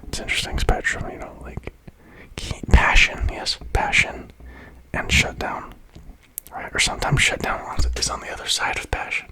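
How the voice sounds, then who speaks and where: A man speaking in a breathy whisper in a rambling ASMR monologue, halting mid-thought and repeating words. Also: rough recording. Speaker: ASMR creator.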